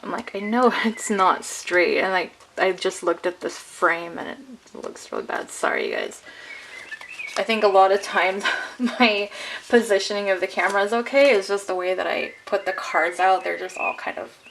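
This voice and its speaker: A woman's voice: mid-range voice, big pitch swings, normal speed, vocal fry, a bit bright, slight background noise, poor audio. A woman giving a casual tarot card reading to camera, chatty and encouraging, laughing often, her voice a little worn. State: losing her voice. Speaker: tarot reader.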